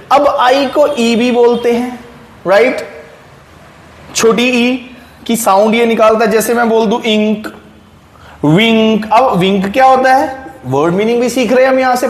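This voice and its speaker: Guy teaching english sounds, high voice, keeps asking right?, echoey room. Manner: slow, drawn-out word examples with frequent checks like "right?". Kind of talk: explaining pronunciation rules in a video lesson. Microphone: writing on a board while talking.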